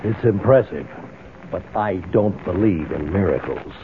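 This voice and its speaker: A man's voice: sits low, lively intonation, a little slow. An actor playing a skeptical, self-assured man, blunt and unruffled, in a 1970s radio drama. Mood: cool, skeptical. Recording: tinny, noisy 1970s radio recording.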